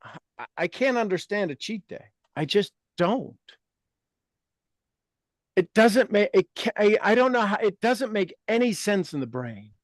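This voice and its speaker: Man, 50s, motivational podcast host; slightly high, dry, emphatic, repeats himself. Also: very animated, a little slow, no echo. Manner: emphatic, repeats key phrases. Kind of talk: motivational casual talk.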